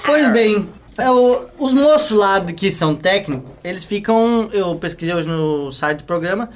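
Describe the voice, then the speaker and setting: Playful man with a lively voice. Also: sits high, moderate pace, noisy background. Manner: playful, mock-formal. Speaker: co-host. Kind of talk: casual interview.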